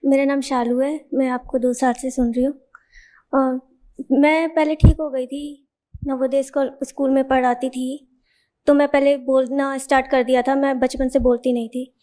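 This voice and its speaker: A woman from the audience asking the teacher a question, speaking softly and hesitantly. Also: sits high, flat delivery, normal speed. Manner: hesitant, soft-spoken.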